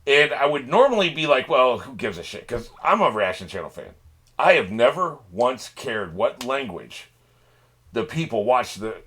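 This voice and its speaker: A man's voice: medium pitch, a bit bright. A man hosting a reaction channel, talking off the cuff in a rambling, profane way with many restarts. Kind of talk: casual unscripted monologue.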